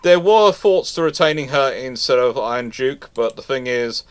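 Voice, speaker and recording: A man hosts a casual livestream, reading out questions and answering them off the cuff. His voice sits at an average pitch, and he talks in a halting, rambling way, doubling back on his words. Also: smooth. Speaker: host of a live naval history Q&A.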